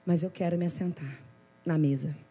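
A woman pastor with a Brazilian Portuguese accent, preaching a sermon in a lively, conversational way with frequent asides to the congregation. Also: sits low, moderate pace, husky.

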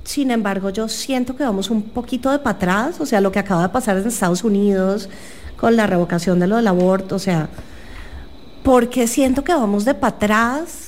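A woman's voice: mid-range voice, normal speed. A woman in her forties with a Bogotá Colombian accent, hosting a casual interview and chatting expressively. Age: 40s. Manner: expressive, chatty, laughs easily. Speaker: host.

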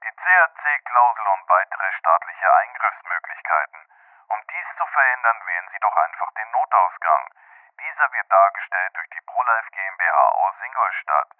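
A man's voice: on the low side, no room sound. A man voicing an airline captain in a scripted ad, speaking formally as if over a cockpit intercom to the cabin. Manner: formal, welcoming announcer delivery. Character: male airline captain making a cabin announcement. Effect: pilot announcement over a cabin intercom, thin and phone-like. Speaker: advertisement voice. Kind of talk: scripted radio ad. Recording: tinny intercom-like ad audio, distant.

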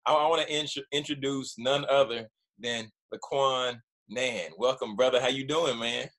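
A man hosting a casual podcast interview over a video call, energetic, often repeating and restarting words. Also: mid-range voice, moderate pace. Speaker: podcast host.

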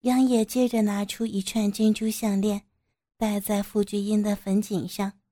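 A woman narrating an audio story in a steady, even storytelling manner. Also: mid-range voice, moderate pace.

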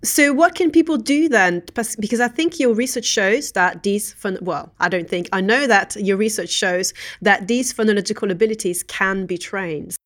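Woman host asking quick questions, middle-pitched voice. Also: fairly bright tone. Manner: brief, probing questions. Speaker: interviewer. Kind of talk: interview.

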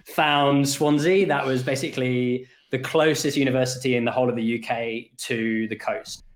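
A man in his thirties with an English accent mixed with some Australian, telling stories in a relaxed, rambling way as a podcast guest. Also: medium pitch, moderate pace. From England. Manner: relaxed, rambling, many fillers and restarts. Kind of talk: casual interview storytelling. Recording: echoey room.

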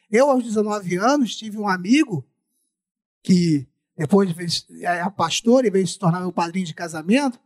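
High-pitched Brazilian man preaching through a face mask. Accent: Brazilian Portuguese. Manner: repeats phrases for emphasis, acts out dialogue. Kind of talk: sermon.

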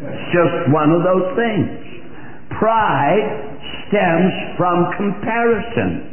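An older man preaching a sermon with a big, emphatic voice, speaking slowly. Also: high voice, big pitch swings, slight background noise. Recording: echoey hall on a tinny, phone-like old recording.

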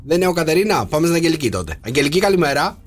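A man hosts a morning radio show in a playful, teasing way. His voice is somewhat high for a man. Faint music runs under his studio mic. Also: sing-song. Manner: teasing, playful, announces phone number. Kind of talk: casual radio chat. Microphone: studio microphone.

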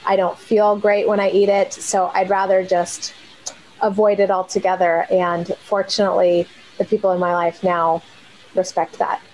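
A woman from California speaking with clear, confident delivery. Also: medium pitch, level tone, moderate pace, darkish tone, poor audio. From California, USA. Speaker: program member sharing testimony. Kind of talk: casual home video testimony.

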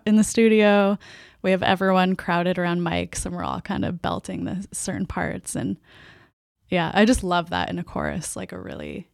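A soft-spoken Canadian woman, a band's singer and guitarist, answering interview questions with a hesitant, laughing way of talking. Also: lowish voice, vocal fry, clear, resonant tone, dry recording, clean studio sound. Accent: Canadian English. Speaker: band's lead vocalist and guitarist.

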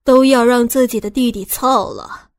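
A woman's voice: on the high side, normal speed, darkish tone, dry recording, studio quality, natural voice. A woman voicing a cold, menacing man who sneers and threatens, in an audio story. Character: cold, menacing middle-aged man with a shotgun.

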